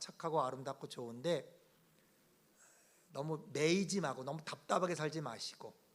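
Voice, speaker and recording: A man talks in a normal speaking voice at a moderate pace. His pitch is fairly high, with ordinary variation. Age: 60s. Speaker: pastor. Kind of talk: lecture.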